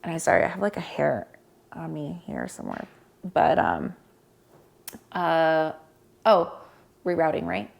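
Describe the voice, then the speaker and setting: A woman's voice: low voice, very animated, measured pace, creaky, long pauses, darkish tone, dull audio. A woman speaking candidly and at length in a casual podcast conversation, rambling a little and laughing often.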